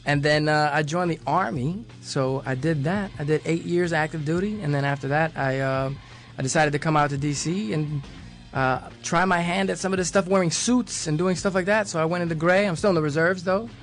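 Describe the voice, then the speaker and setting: Fast-talking easygoing man guest. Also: on the high side, faint music behind. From New York. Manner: rambling and easygoing, quick to laugh. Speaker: radio guest. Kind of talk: casual interview talk. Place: radio studio. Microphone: studio microphone.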